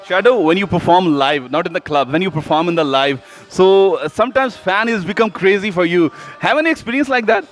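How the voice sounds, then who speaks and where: A man's voice: sits high, brisk, few pauses, soft background music. A man with a South Asian accent hosting a celebrity interview in an effusive, flowery manner. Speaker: radio host interviewer. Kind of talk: celebrity interview, mixing Urdu and English.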